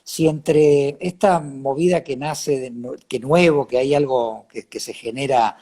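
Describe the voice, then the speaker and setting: A man with a Cordoba Argentine accent in a reflective interview conversation, haltingly repeating words as he searches for his phrasing. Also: medium pitch, fairly even intonation, warm tone.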